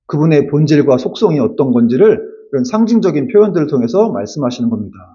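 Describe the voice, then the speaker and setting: A man at a very fast pace, with very wide pitch swings and audible room echo. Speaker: pastor. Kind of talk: sermon. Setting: church. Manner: slurred pronunciation when speeding up.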